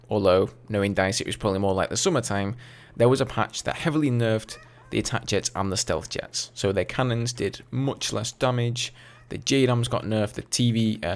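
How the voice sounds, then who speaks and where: A man in his twenties with an English accent, casually answering viewer questions over gameplay footage in a relaxed, chatty way. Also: on the low side. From England. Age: 20s. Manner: chatty, relaxed, with fillers and asides. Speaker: gaming YouTuber.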